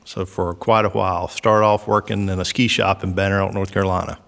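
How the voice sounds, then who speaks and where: Middle-aged Southern man, low-pitched, easygoing, filler-heavy, heard with long reverb. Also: little pitch movement, gravelly, a bit bright. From South Georgia, US. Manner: unhurried, lots of "uh" and "um" fillers. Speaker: resort recreation director. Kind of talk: relaxed interview answers.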